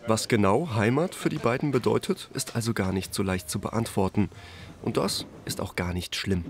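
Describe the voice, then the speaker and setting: A man reading a calm, scripted news report narration. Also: on the low side, normal speed. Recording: voice-over over music.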